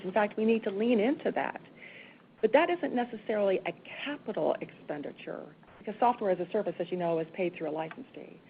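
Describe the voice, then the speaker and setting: A woman's voice: mid-range voice, vocal fry. A woman executive giving emphatic, businesslike answers on an earnings conference call. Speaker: company executive. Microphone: conference call line. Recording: narrowband phone line, faint noise.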